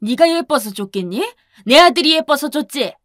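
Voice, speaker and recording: A woman's voice: medium pitch, animated, measured pace, no room sound, studio quality. A woman voicing a haughty, furious middle-aged future mother-in-law who berates with contempt. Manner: contemptuous, shouting.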